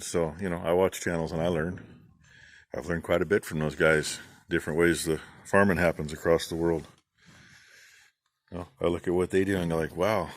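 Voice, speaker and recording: A middle-aged man, a farmer vlogging, giving rambling, plain-spoken shout-outs in a casual way. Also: deep voice, no echo. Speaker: farm channel vlogger.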